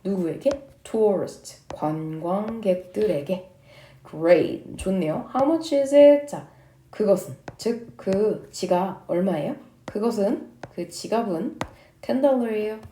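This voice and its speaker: Woman teaching English, lively voice. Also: mid-range voice, echoey room, slight background noise. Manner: reads English lines slowly, explains each in Korean. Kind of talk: English lesson, reading and translating dialogues.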